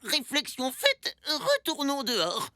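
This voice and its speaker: High, swooping, frantic bossy cartoon manager. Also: female voice, huge pitch swings, slow pace, exaggerated voice. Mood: panicked. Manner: panicky, commanding, emphatic. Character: frantic bossy trend-obsessed bakery manager. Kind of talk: animated cartoon dubbing. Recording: background music under the voice.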